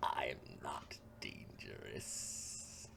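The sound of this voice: Against loud background noise, a man puts on a sinister character voice.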